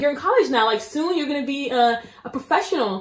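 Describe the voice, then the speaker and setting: Lively intonation marks this woman's very fast speech. Audible room echo surrounds her voice. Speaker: industrial engineering student. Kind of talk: casual talk to camera. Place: home room. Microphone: phone near.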